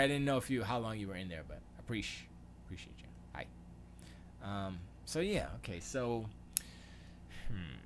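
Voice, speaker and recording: In a relaxed livestream from his home studio, a man from Florida, USA with a lowish voice works while thinking aloud. He mutters questions to himself and lets his sentences trail away, and a steady hiss sits clearly beneath the audio.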